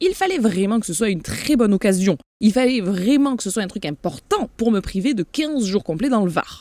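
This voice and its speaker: Speaking at a moderate pace in a southern French accent, a woman has a dark, mellow tone and very wide pitch swings. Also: fairly high pitch for a woman. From southern France (Marseille, then Var). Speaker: podcaster. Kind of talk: casual monologue. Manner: chatty.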